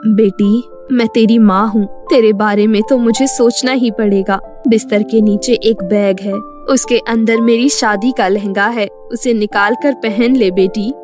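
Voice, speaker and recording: A woman's voice: on the high side, steady tone, measured pace, few pauses, voice pushed down, natural voice. A woman voicing a dead mother's loving, reassuring spirit in a storybook tale. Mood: tender, reassuring. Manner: tender, reassuring. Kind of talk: Hindi moral horror storytelling. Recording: music behind the voice.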